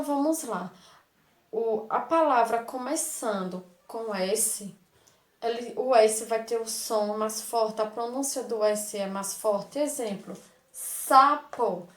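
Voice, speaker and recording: Slow, affectionate woman teacher in an echoey room. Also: a little high. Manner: slow, affectionate, repeats questions and sounds out words. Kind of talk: recorded online lesson for children.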